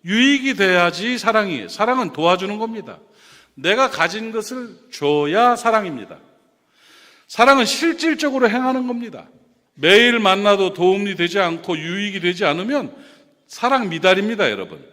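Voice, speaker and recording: A man from South Korea preaching a sermon as pastor, animated and often questioning the congregation. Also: high voice, moderate pace. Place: church sanctuary. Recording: reverberant church hall.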